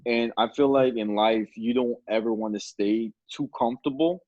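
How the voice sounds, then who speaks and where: A man's voice: mid-range voice, fairly even intonation, moderate pace, darkish tone, dry recording. A man in his late twenties hosts over a video call, spinning a story in an easy, laughing way. His mid-range voice sounds dry and slightly muffled, like a plain webcam mic. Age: 20s. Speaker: podcast host. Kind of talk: casual chat on a video call. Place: indoor room at home.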